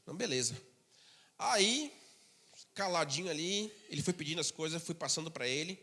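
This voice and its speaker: High bright-voiced pastor, hall echo. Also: male voice, expressive, moderate pace. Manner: conversational storytelling, drops to a low murmur for asides. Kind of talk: sermon. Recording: long hall reverb.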